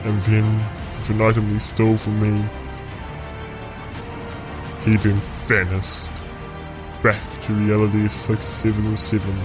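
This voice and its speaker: A man playing a vengeful clone villain in an audio roleplay, telling his story in a deliberate, gloating, theatrical way. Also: lowish voice, completely flat delivery. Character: vengeful male clone villain plotting to destroy a reality. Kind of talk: scripted audio roleplay monologue. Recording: music behind the voice.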